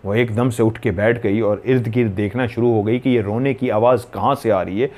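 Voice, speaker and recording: A man's voice: lowish voice, steady tone, moderate pace, a little mellow. Male storyteller from Pakistan, suspenseful horror narration. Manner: dramatic, suspenseful.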